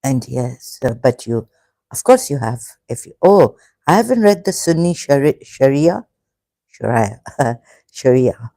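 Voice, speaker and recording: A speaker from Pakistan, an online religion commentator rambling through a solo livestream in a halting, emotional way with many broken-off phrases. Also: mid-range voice, very animated, vocal fry, dark tone, no echo. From Pakistan, grew up in Karachi.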